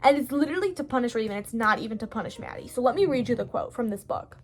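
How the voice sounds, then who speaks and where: Chatty young woman with a high voice. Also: lively intonation, fast talker. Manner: chatty, indignant, many "like" fillers. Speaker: video creator. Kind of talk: casual story recap.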